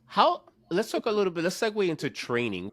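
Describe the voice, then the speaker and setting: A man talks in an American accent at a fairly quick pace, with very wide pitch swings. The recording is very clean, with a silent background and a dry, close sound with no echo. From New York, the Bronx. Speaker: podcast host and clinician. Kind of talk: interview.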